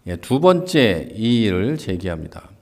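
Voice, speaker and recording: A man's voice: fairly low pitch, very animated, measured pace, a little mellow. Man giving an explanatory Bible lecture. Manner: explains step by step, often starting a point with "자"; acts out quoted lines with livelier voice.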